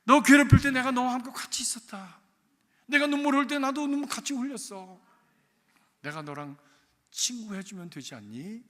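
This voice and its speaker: A man preacher voicing God as a gentle, comforting inner voice, speaking softly and slowly. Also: very high voice, animated, long reverb tail, voice pushed up. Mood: gentle tender. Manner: soft, slow, tender.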